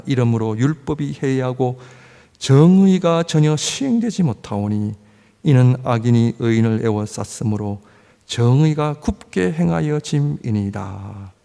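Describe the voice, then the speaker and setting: Gravelly man preaching in reverberant church. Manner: swings from loud impassioned pleading to low measured scripture reading. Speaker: pastor. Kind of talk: sermon. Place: church sanctuary. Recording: long church hall reverb.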